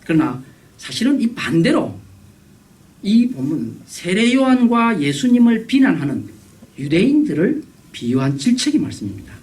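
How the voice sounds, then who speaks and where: A man preaching a revival sermon as guest pastor, animated and acting out the voices he quotes. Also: high-pitched, moderate pace, distant mic, low-quality recording. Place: church sanctuary.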